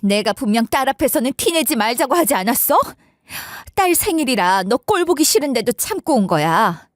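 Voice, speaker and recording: A woman voicing a hot-tempered middle-aged stepmother who shouts and scolds in a story. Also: fairly high pitch, sing-song, moderate pace, no room sound, studio quality. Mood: furious.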